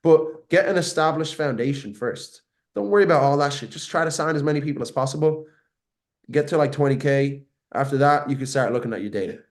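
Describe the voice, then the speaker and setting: A man in his twenties, a brash and profane guest on a podcast over a video call, talking in quick bursts and repeating himself. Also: a little high. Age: 20s. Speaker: guest, marketing agency owner. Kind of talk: casual podcast interview.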